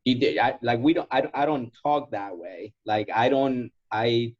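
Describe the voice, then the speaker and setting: A man's voice: medium pitch, a little slow, muffled recording. A man from Ecuador who speaks English as a second language, coaching informally in a question and answer session and repeating key phrases for emphasis. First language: Spanish. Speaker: sales trainer.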